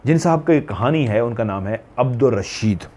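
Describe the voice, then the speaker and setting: A male horror storyteller, talking the tale through casually. He rambles, corrects himself and drifts into asides. His pitch sits in the ordinary male middle. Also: animated, moderate pace, darkish tone.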